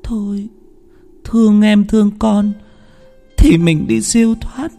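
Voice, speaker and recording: A man voicing a young grieving wife in a high, soft, sobbing voice. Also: a little slow, creaky, breathy edge, full character voice. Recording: long hall reverb, faint music.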